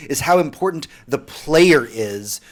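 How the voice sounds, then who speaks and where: A man's voice: fairly high pitch, lively intonation, measured pace. Rambling male podcast host. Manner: rambling, restarts often, steers discussion. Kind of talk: casual panel chat.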